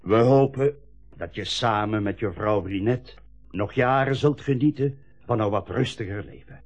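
An actor playing a jovial railway colleague in a radio play, giving a teasing, ceremonial retirement speech. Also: male voice, fairly low pitch, moderate pace. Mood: teasing, hearty. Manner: ceremonial, jocular public speechmaking.

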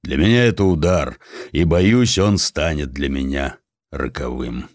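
A man's voice: extremely low pitch, measured pace, no echo, studio quality, voice pushed down. A man voicing a guilt-ridden, bitter bankrupt in his forties, mournful and resigned, in an audiobook story.

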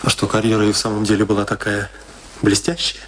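A man's voice: on the low side, completely flat delivery, fast talker, slight background noise, close to an everyday voice. An actor playing a melancholy, darkly passionate man in a radio play, with theatrical intensity. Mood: uneasy, regretful. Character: melancholy male friend turned darkly passionate seducer.

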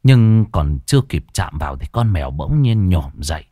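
Dramatic low-voiced male storyteller. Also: very animated, moderate pace, dark tone, no echo, clean studio sound. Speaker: narrator. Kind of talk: ghost story narration.

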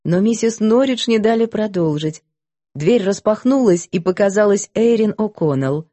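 A woman narrating a mystery novel audiobook in an even, measured storytelling manner. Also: mid-range voice, no room sound. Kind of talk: scripted narration.

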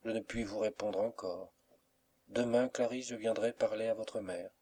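Soft-spoken, mysterious young suitor, respectful; a man reads him in a low voice. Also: steady tone, moderate pace, husky. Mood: secretive.

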